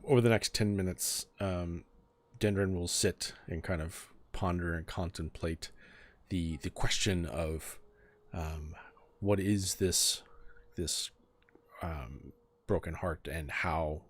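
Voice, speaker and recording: A man with a very low voice runs a tabletop game as dungeon master. He describes scenes in a halting way, with frequent ums and pauses. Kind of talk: narrating an online tabletop game.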